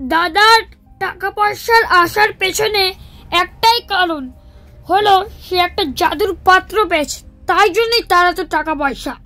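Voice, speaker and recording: A woman's voice: very high voice, fairly bright tone, dry recording, full character voice. A woman voicing a greedy, sly younger brother in a cartoon moral story, talking in an exaggerated way. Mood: excited, scheming. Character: scheming, greedy younger brother, a village husband and thief.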